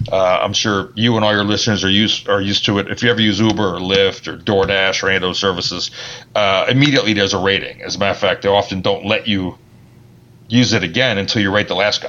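Bright and sharp in tone, the voice has an American accent and moves at a very fast pace. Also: man, fairly low pitch for a man, fairly even intonation. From Maine, US (Bar Harbor). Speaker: financial regulator board member. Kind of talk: interview.

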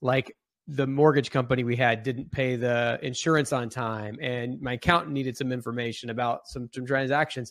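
A man with an unremarkable speaking voice and a medium pitch talks at a fairly quick pace. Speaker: podcast host. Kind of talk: podcast interview.

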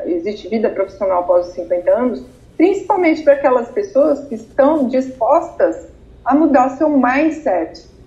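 A woman speaks in a high voice that swings very widely in pitch. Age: 50s. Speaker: coach. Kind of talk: interview.

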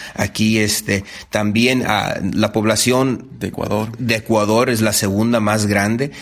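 A man talks fairly slowly. Background noise is clearly audible throughout. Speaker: podcaster and parent facilitator. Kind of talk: interview. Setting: empty classroom. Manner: halting, many fillers.

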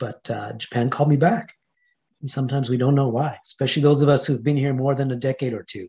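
Speaking at a very fast pace, a man with a Canadian accent has a medium pitch and a dark, mellow, somewhat breathy tone. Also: ordinary pitch variation. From Edmonton, Alberta, Canada (Indian household). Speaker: yoga teacher, wellness entrepreneur. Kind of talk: interview. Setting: live stream.

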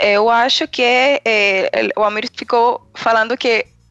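Her pitch high, a woman talks with fairly even intonation. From Colombia. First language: Spanish (speaking Portuguese). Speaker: design professor. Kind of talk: casual chat.

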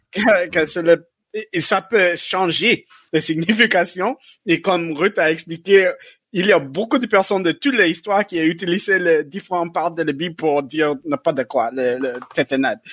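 Someone with an American accent talks at a moderate pace with ordinary pitch variation. The background is quiet, and the sound is dry and close with no echo. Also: man, high pitch for a man. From United States. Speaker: seminary professor. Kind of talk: panel discussion. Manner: halting.

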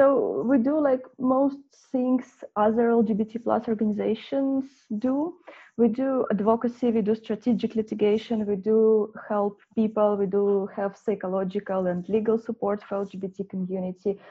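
Somewhat breathy and fairly high-pitched, a woman with a Russian accent speaks at a moderate pace with ordinary pitch variation. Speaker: LGBTQ rights activist. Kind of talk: panel interview.

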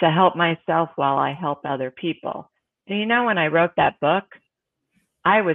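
A woman with an American accent speaks in a normal speaking voice at a moderate pace. Her pitch is fairly low, with ordinary variation. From United States. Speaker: author and breast cancer survivor coach. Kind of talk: podcast interview.

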